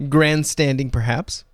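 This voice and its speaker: A man's voice: mid-range voice, no room sound. A man hosting a show with casual, wry, colloquial commentary. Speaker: show host.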